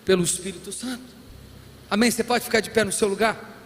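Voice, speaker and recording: A man preaching a sermon as a pastor, animated and humorous, acting out bits of dialogue. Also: high voice, fairly quick. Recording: long hall reverb, faint room noise.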